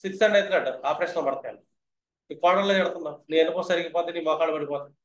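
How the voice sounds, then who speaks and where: A man's voice: fairly high pitch, rapid-fire, reverberant. A man teaching astrology in a lecture style, who keeps asking his listeners whether they have understood.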